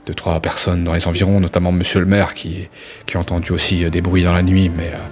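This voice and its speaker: A man's voice: low voice, level tone, fast. A man voicing a plump, obliging, anxious innkeeper in his fifties in a tabletop roleplaying game, speaking hesitantly and repeating himself. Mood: worried. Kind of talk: improvised tabletop roleplay dialogue. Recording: music playing under the voice.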